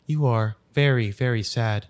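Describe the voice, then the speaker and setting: A man's voice: mid-range voice, a little slow, lightly acted. A man putting on the voice of a smart speaker assistant, sounding like a machine processing commands, in an improvised comedy skit. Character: male smart speaker assistant, flat and ominous.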